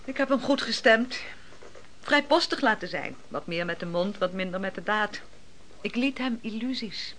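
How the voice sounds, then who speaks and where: A woman's voice: mid-range voice, expressive, normal speed, a bit bright, a little hiss or hum, close to an everyday voice. An actress playing a watchful, knowing serving woman in a Dutch radio play, sly yet caring, with a teasing, confiding manner.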